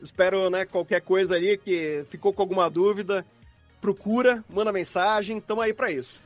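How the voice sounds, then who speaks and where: A man's voice: sits high, steady tone, normal speed, no room sound, faint music behind. A man with a Brazilian Portuguese accent chatting casually as a guest in a live podcast interview. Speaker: podcast guest, audio drama producer.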